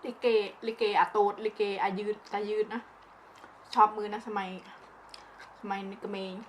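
A woman's voice: medium pitch, little pitch movement, unhurried. A woman from northeastern Thailand chats casually as a food vlogger, talking as she eats with her mouth often full. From northeastern Thailand (lower Isan). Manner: talks while eating, mouth often full. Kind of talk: casual eating-show chat. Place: outdoors in a backyard. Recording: clear background noise, outdoor ambience.

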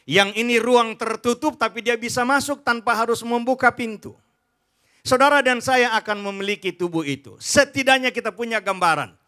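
Man, forties, pastor, very high voice, bright tone, emphatic sermon, handheld mic, church stage. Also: moderate pace. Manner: emphatic preaching, addresses congregation, acts out demonstrations.

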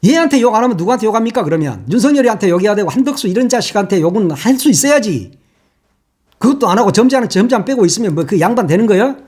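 A man's voice: high-pitched, big pitch swings, rapid-fire, a little mellow, breathy edge. A man giving heated political commentary, insulting his target and firing off rhetorical questions.

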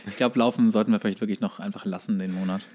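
A man's voice: fairly low pitch, steady tone, very fast, a little mellow. A man co-hosts a podcast in a jokey, colloquial, rambling way. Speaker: podcast co-host. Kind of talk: casual comedic podcast chat.

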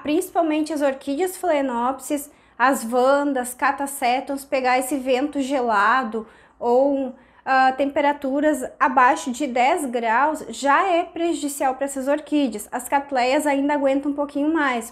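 A woman in her thirties with a high, slightly hoarse voice, recovering from a cold. She talks casually and warmly to camera, gesturing as she explains, recorded on a lapel mic in a small indoor room. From southern Brazil. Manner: chatty, explains with hand gestures. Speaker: orchid-growing channel host. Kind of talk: casual tutorial talk to camera. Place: indoor room with tiled wall and orchids.

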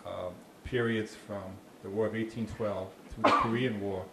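At a moderate pace and in a steady, lowish voice, this Boston park ranger gives an informal talk and takes audience questions through a handheld mic. Expect chattiness, many restarts, and dry jokes. He's in a small dark meeting room with a slide screen, recorded with echo and faint noise.

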